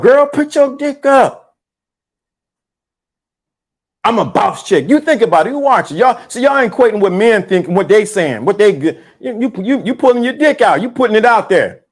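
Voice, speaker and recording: A man hosting a live stream, talking loosely and repeating himself in slangy, animated casual commentary. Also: high voice, normal speed.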